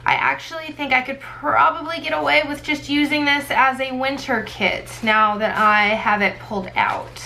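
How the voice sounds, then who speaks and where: A woman with a slightly high voice that sounds sick and hoarse, as if she is losing it. She talks casually in a rambling craft-vlog style, thinking out loud as she goes. There is noticeable noise behind her. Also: steady tone, normal speed, few pauses, low-quality recording. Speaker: planner vlogger and sticker shop owner. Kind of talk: casual chatty plan-with-me vlog. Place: indoors at a desk. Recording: clear background noise.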